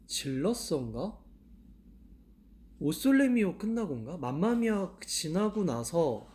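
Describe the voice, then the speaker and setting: On a handheld mic, a young idol in his twenties chats with fans during a live stream, laughing frequently and asking himself questions aloud. His voice is medium in pitch and very animated, though his pace is a little slow.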